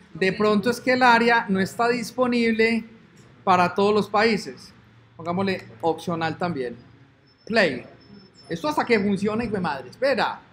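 In a screen-recorded coding lesson, a male instructor chats and reasons aloud over the code, filling waits with a hummed "ta ta ta." He sounds high-pitched and fairly bright, and there's a little hiss or hum.

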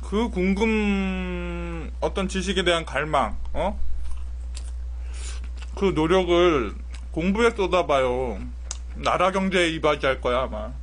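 A man's voice: high-pitched, takes it slowly, long pauses. A man in his thirties with his mouth full of rice, streaming a food broadcast and teasing his chat with sarcastic answers. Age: 30s. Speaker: mukbang streamer. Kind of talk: casual live-stream chat while eating.

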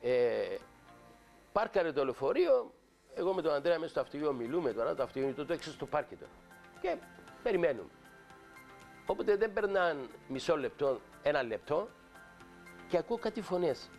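A man's voice: on the high side, sing-song, gravelly, pauses often, a little mellow, soft background music. An older man with a Cypriot accent, a guest actor telling an indignant, emphatic story on a talk show and acting out the dialogue.

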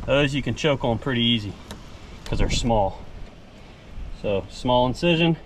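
A man's voice: medium pitch, animated, unhurried. A man, casually explaining each step as he works, like a vlogger teaching. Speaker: fishing and cooking vlogger. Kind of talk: casual instructional narration while working. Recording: noisy action-camera audio, outdoors and kitchen.

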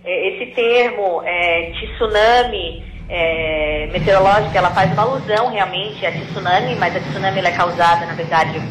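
A woman's voice: on the low side, moderate pace. A woman explaining hesitantly as an official in a phone interview. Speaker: civil defense director, interviewee. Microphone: telephone. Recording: echoey phone call with faint noise.

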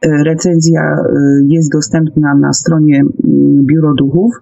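A woman hosting a live radio interview, speaking in a hesitant, halting way with many hums and pauses. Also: low-pitched, flat delivery, creaky, warm tone, muffled recording. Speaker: host leading the interview. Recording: faint music behind internet call.

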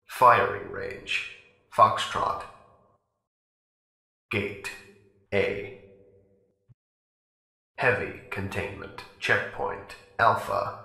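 Impersonal male facility announcer, low gravelly voice, formal and clipped, echoing public address system, video game. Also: bright, forceful tone, heavily acted. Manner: clipped, formal, measured delivery. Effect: public address speaker.

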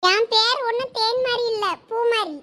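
In a village comedy skit, a young woman plays a cheeky, chatty college girl who teases her friend with giggles. Her very high voice is pushed and bright at a normal pace, and the recording is dry.

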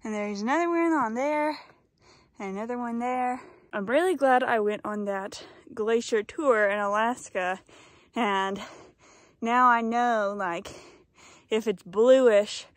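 A young adult woman chatting casually to camera as a solo hiking vlogger, somewhat out of breath, musing in short halting phrases. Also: a little high, no echo. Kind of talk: casual vlog chat to camera while hiking. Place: outdoors on a snowy mountain trail. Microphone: handheld phone at arm's length.

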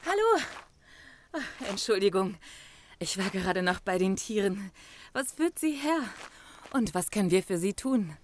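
A woman's voice: mid-range voice, sing-song, measured pace, long pauses, a little hiss or hum. An actress playing a guarded, earnest young woman who runs a farm retreat in a crime radio play. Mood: welcoming. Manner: defensive, earnest. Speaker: actor in crime audio drama. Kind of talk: German crime audio drama acting.

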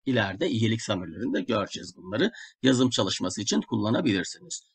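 A man teaching an online language lesson, drilling sounds slowly and repeating them with care. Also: lowish voice, big pitch swings, creaky, husky. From Turkey.

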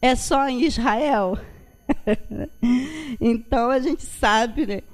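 A woman from Rio, Brazil, gives an informal, reflective religious talk as a guest lecturer at a Spiritist centre, often adding little checking tags. Her voice is on the high side with drawn-out words, in a meeting hall with a projection screen.

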